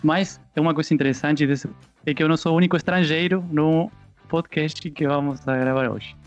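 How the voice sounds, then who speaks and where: A man's voice: fairly high pitch, fairly even intonation, a little fast, lo-fi sound, faint music behind. An Argentine man, a native Spanish speaker with an Argentine accent, chatting casually as a podcast co-host and searching for words.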